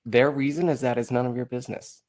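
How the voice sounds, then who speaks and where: A man chatting casually as an interview guest, telling his story in a candid, animated, self-deprecating way. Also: mid-range voice, quick pace. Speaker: podcast guest, musical writer.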